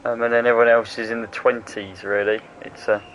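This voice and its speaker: A man doing casual, jokey commentary on an online racing league, full of quick asides. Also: medium pitch, level tone, background noise. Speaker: race commentator.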